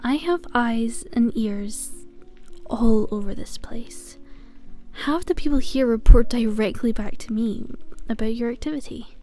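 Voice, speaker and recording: Woman acting a soft, high-voiced possessive yandere sweetheart. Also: unhurried, faint music behind, natural voice. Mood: teasing, doting, controlling. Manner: cooing, teasing endearments with breathy sighs and giggles. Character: possessive lovesick yandere woman, an asylum inmate, sweetly menacing. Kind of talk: ASMR roleplay, intimate scripted monologue.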